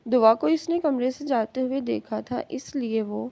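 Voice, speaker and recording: A woman's voice: a little high, creaky, warm tone, no echo. A woman reading a romance novel aloud with dramatic storytelling. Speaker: novel reader.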